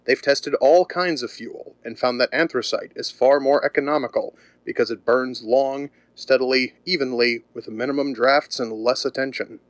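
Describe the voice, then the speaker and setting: A man as a radio announcer reading a polished, emphatic sales pitch in 1930s commercial style. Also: moderate pace, hardly any pauses, dry recording.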